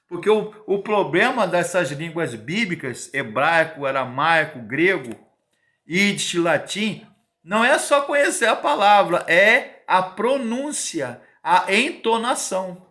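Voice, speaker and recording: A man's voice: fairly high pitch, lively intonation, a little slow, bright, forceful tone. A man in his fifties giving an informal Bible teaching, emphatic and repetitive, often digressing and adding tag questions. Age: 50s.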